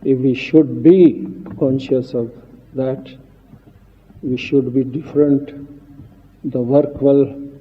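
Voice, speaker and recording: A man giving a solemn devotional speech as a spiritual teacher, in halting short phrases with long pauses. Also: medium pitch, fairly even intonation. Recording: muffled 1950s archive recording, reverberant hall, phone-like.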